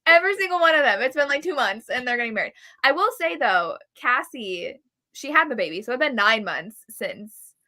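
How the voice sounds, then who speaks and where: A woman's voice: on the high side, sing-song, brisk, bright, forceful tone. A woman chatting casually about books on a live show, peppering her talk with "like" and acting out quotes. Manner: heavy use of "like". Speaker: co-host of a book club readalong.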